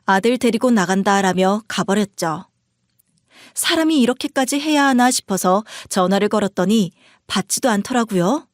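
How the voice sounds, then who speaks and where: A woman narrating a first-person story in a plain, steady retelling. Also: mid-range voice, normal speed, dry recording, clean studio sound.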